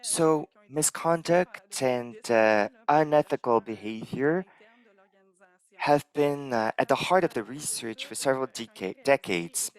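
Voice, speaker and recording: A man interpreting a conference talk live into English, measured and halting, pausing as he translates. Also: mid-range voice, expressive, smooth, poor audio. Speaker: simultaneous interpreter.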